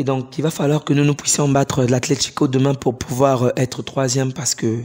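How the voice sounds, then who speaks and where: At a fairly quick pace, a man speaks in a dark, mellow tone at medium pitch with monotone, flat intonation. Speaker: football YouTuber. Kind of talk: match debrief monologue. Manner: hesitant, many fillers.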